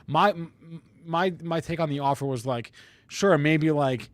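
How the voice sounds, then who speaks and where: A man commentating on a live market show, reasoning aloud in casual debate and often repeating words haltingly. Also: fairly high pitch, no echo.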